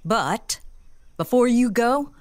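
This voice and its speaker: An actress playing a tough, exasperated police boss, stern, clipped and blunt, in an audio drama. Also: female voice, fairly high pitch, lively intonation, slow pace, dry recording, clean studio sound.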